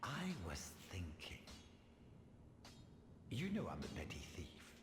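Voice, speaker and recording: Game role: humble, wry old male thief, theatrical, animated pitch, long reverb. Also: takes it slowly, background noise, exaggerated voice. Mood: musing, sly. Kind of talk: video game character dialogue. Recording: echoing game reverb with music behind.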